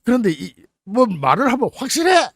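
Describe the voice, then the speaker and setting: A man's voice: very high voice, very animated, normal speed, slightly rough, no room sound, clean studio sound. A man hosting his own channel, commenting on the news in a mocking, incredulous way. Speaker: political YouTube channel host.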